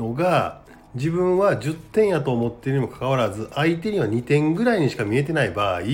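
His intonation lively, a man speaks with a fairly high pitch. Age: 40s. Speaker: management consultant podcast host. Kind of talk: solo podcast monologue answering listener letter. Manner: frequent filler words, hesitant.

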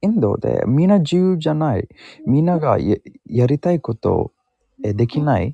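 With a dark, mellow, somewhat breathy tone, a man speaks at fairly high pitch with very wide pitch swings, the sound dry and close with no echo. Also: moderate pace. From India. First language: not Japanese (Indian native speaker) (speaking Japanese). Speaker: language exchange partner, office worker. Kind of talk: casual chat. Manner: halting.

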